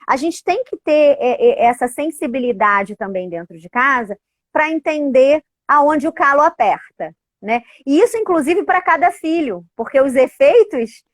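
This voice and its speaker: A woman with a notably high voice talks in a lively, casual way, checking in with her listener at the end of almost every phrase. The sound is dry and close, with almost no room around her. She comes across as a middle-aged educator and mother. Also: moderate pace, dry recording. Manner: animated, frequent tag questions. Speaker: educator and parent. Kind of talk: casual conversational talk.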